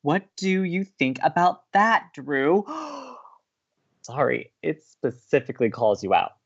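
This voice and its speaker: A young campus radio host in an audio drama, gleeful and romantic. His pitch swoops about as he teases and stresses words dramatically. The sound is slightly dull. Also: slow pace, exaggerated voice. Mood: animated. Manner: excitable, teasing, dramatic emphasis. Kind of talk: bantering audio drama dialogue.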